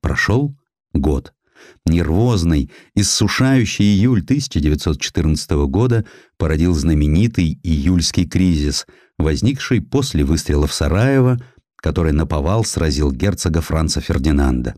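Deep-voiced male narrator, expressive storyteller. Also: no room sound, clean studio sound. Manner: expressive, measured storytelling delivery. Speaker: audiobook narrator. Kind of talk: scripted literary narration of a historical essay.

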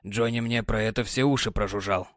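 Brief: gruff, sighing old sea captain, read by a male narrator, low and quiet. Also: steady tone, fairly quick, dry recording, clean studio sound, lightly acted. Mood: weary. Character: weary, gruff older sea captain, tender husband. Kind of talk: audiobook character voice.

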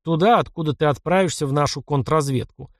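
A man's voice: a little high, a little fast, no echo, studio quality, close to an everyday voice. A man voicing a sly, ruthless young frontier fighter who talks in mocking, clipped commands. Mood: mocking threat.

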